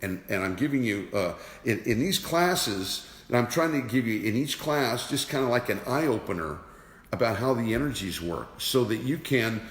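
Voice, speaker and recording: A man's voice: mid-range voice, animated, normal speed, fairly bright tone. A man giving a motivational teaching talk as an energy awareness teacher, emphatic and repeating rhetorical questions. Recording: roomy with long reverb.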